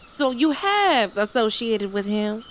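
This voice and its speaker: Brief: a protective motherly woman, scolding, lively pitch, clear noise behind. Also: slow. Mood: cautious. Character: older enslaved woman, motherly and cautious. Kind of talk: audio drama acting.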